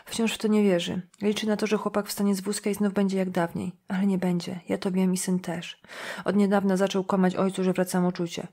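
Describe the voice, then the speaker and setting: A woman reading a weary older farm wife and guilt-ridden mother, speaking in a hushed, pleading, sad way. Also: medium pitch, flat delivery, a little fast, slightly rough.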